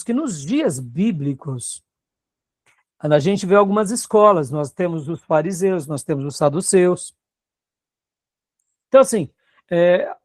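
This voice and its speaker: Brazilian pastor teaching a Bible class. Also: male voice, high-pitched, darkish tone, no echo, studio quality. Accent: Brazilian Portuguese. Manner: conversational, checks in with the class often.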